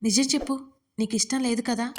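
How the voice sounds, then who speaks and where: A woman voicing a young husband, demanding and self-absorbed, with a brisk, insistent way of talking. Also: a little high, fairly even intonation, a little hiss or hum, natural voice. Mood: pressing.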